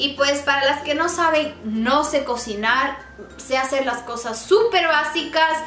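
A woman uses a raised, projected voice with an animated tone and a high pitch. Audible room echo and light background noise surround her. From Ecuador, near Quito. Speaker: lifestyle YouTuber. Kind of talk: personal storytelling vlog. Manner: animated, affectionate; frequent filler words. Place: home room. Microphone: phone near.

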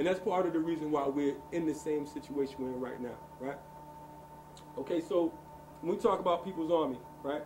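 A man at a fairly quick pace with long, frequent pauses, amid noticeable background noise. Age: 40s. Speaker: activist speaker; speaker. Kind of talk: public speech. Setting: stage with audience. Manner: animated. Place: hall. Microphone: camera far.

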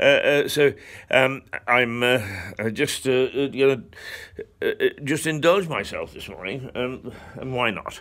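A man at a very slow pace, with long, frequent pauses, big swings in loudness and ordinary pitch variation against a quiet background. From England. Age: 70s. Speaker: livestreamer telling life stories. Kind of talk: casual monologue. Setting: home, at his cottage. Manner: halting; humorous. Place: home room. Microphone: phone near.

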